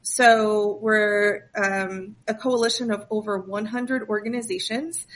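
A woman's voice: mid-range voice, steady tone, slow pace. A woman from Western Pennsylvania, a project director, talking in an interview in a chatty way with lots of ums and light self-mocking humor. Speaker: guest, nonprofit project director. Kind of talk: interview conversation.

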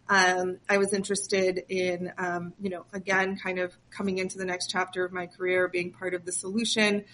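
Chatty bright-voiced woman guest. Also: medium pitch, a little hiss or hum. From Western Pennsylvania. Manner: chatty, many ums, self-deprecating humor. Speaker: guest, nonprofit project director. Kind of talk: interview conversation.

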